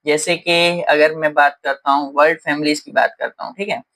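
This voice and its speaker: A man's voice: a little high, flat delivery, normal speed, bright, forceful tone. Man lecturing in with frequent fillers. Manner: Hindi mixed with English terms, frequent "uh" fillers and "okay" check-ins. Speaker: teacher. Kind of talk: lecture explaining teaching strategies.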